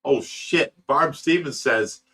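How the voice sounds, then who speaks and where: Bright-voiced man in his sixties. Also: medium pitch, takes it slowly, recorded from a distance. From Ohio, USA. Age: 60s. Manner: rambling storyteller, swears freely and laughs often. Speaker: fish rescue host. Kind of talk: casual livestream chat reading viewer comments.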